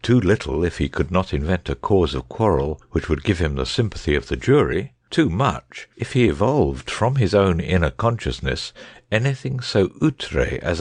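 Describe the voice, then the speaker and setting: A man voicing a brilliant detective, measured and precise in delivery. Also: deep voice, dry recording, clean studio sound, heavily acted. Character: brilliant male detective, dry and assured.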